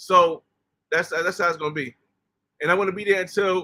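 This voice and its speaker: A man speaks in a raised, projected voice with a high pitch and a bright, sharp tone. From US Northeast, New Jersey. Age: 30s. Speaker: travel vlogger. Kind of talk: live stream chat. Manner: fast; casual slangy.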